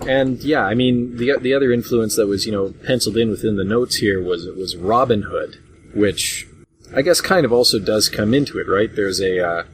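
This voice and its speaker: Male podcast moderator, lowish voice, rambling and wry, faint furnace hum behind. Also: normal speed. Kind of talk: casual panel discussion. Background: noisy furnace hum.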